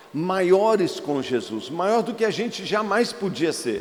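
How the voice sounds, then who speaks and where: Very wide pitch swings mark a man's very slow speech, heard with audible room echo and noticeable background noise. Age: 60s. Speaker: pastor. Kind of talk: sermon.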